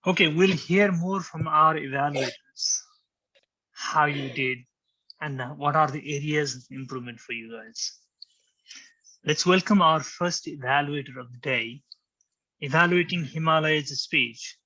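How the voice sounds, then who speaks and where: A man's voice: on the high side, unhurried, sharp tone, dull audio. A man hosting a speech practice session, speaking in an encouraging, emphatic way and repeating key phrases.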